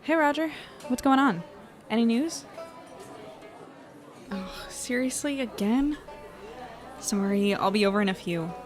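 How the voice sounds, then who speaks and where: A woman's voice: on the high side, animated, a little slow, long pauses, faint music behind. A woman playing a responsible, exasperated small-town newspaper reporter in a naturalistic audio drama. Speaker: podcast drama actress.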